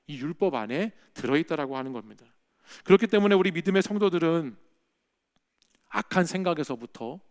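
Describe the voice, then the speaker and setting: Higher-voiced man preaching a sermon. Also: a little mellow. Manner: conversational preaching, frequent "예?" checks with the congregation. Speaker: pastor. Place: church sanctuary.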